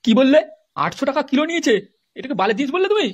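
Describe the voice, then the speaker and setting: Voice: high voice, very animated, rapid-fire, a little hiss or hum. A performer voicing a boastful, short-tempered poor husband in a comedy cartoon, foul-mouthed and insulting, with a West Bengal accent. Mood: exasperated. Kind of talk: amateur comedy cartoon dialogue.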